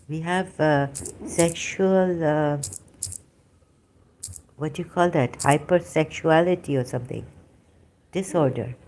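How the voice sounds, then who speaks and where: A woman with a low, mellow voice talks through a personal monologue. She stops often, fills gaps with hesitations and restarts her phrases while she hunts for words. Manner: halting, searches aloud for words, many fillers and restarts. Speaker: vlogger.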